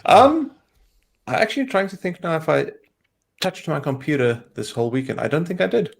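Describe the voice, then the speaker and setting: Gravelly-voiced man. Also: fairly high pitch, brisk. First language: Afrikaans. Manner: relaxed, easygoing, lots of short agreeing sounds. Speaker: co-host of a tech stream. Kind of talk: casual tech chat.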